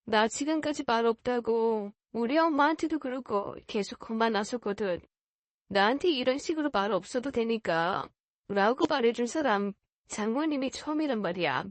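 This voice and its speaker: Storybook fiancé, a gentle quiet young man, voiced by a woman, plain and earnest, a little higher than most, close and dry. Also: dry recording, close to an everyday voice.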